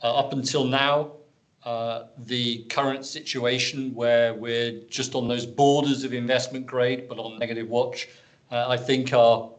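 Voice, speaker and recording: A man speaking as a company executive, giving measured, corporate answers on an earnings call. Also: medium pitch, little pitch movement.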